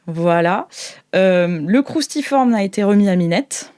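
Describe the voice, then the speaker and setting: A woman leads an improvised role-playing game as game master. Her narration is casual and animated, with a playful edge, at a medium pitch. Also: a little slow, clear, resonant tone.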